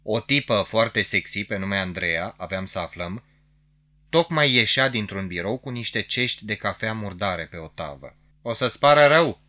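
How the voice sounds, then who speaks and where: Bright-voiced man reading a novel. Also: fairly low pitch, animated. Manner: measured, wry literary narration. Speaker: narrator.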